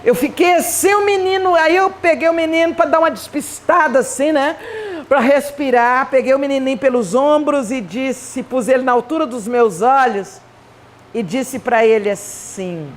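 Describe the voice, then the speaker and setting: A Brazilian woman giving a Spiritist conference talk, telling personal stories in an animated, chatty way with playful asides. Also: sits high, normal speed, slight background noise. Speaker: Spiritist speaker. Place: event hall.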